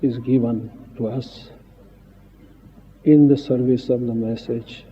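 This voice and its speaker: A man giving a solemn devotional speech as a spiritual teacher, in halting short phrases with long pauses. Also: mid-range voice, fairly even intonation, slight background noise. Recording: muffled 1950s archive recording, reverberant hall, phone-like.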